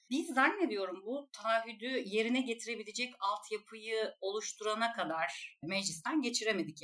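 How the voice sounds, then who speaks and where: A woman talks at a moderate pace. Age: 40s. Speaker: lawyer. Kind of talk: podcast interview. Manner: lively.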